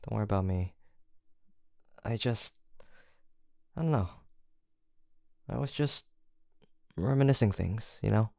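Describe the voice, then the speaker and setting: A man acts out a college-aged best friend in an intimate audio roleplay. His low voice is mellow and gravelly at the edges, with a casual, teasing delivery that stays fond and playful. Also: unhurried, long pauses, no echo, clean studio sound. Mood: tender, nostalgic. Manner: casual, playful, murmured hesitations and soft laughs.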